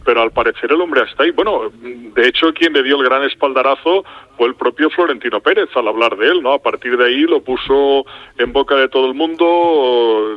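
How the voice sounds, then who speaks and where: A man's voice: mid-range voice, muffled recording. A man from commenting on sport conversationally, discursive and tentative. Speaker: football pundit.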